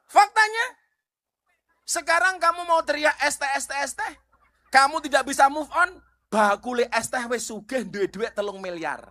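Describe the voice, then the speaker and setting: A middle-aged man with a Javanese accent preaching a sermon, animated, asking the crowd rhetorical questions. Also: extremely high pitch, moderate pace.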